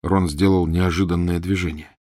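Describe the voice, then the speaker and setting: A man narrating a dramatic audiobook in an expressive reading style. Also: sits low, normal speed, dry recording, studio quality.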